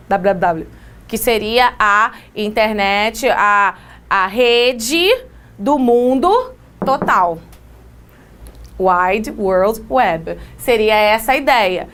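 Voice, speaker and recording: A woman with a Brazilian Portuguese accent teaching an English grammar lesson, explaining with quick examples and playful asides. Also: high-pitched, fairly bright tone. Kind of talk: exam-prep grammar lesson.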